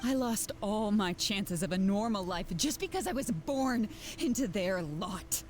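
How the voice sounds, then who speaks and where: A woman's voice: mid-range voice, animated, a little slow, slight background noise, natural voice. A woman voicing a cackling cornered villainess. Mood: bitter. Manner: cackling, bitter, melodramatic. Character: cornered scheming young woman villain, theatrical. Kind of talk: video game voice acting.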